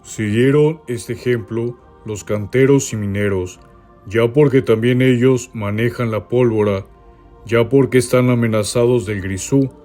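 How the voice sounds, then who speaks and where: A man with a Costa Rican accent giving a steady, measured devotional reading of a saint's life. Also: medium pitch, faint music behind. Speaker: reader.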